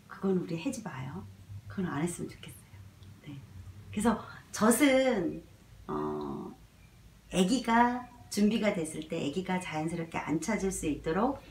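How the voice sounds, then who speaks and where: A woman teaching parents in a spoken lecture, telling lively stories full of fillers and acting out mothers and toddlers, sometimes dropping to a soft whisper. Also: medium pitch. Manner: animated storytelling, acts out mothers and toddlers, drops to soft whispers; many filler words. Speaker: child development educator. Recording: roomy, mic at a distance.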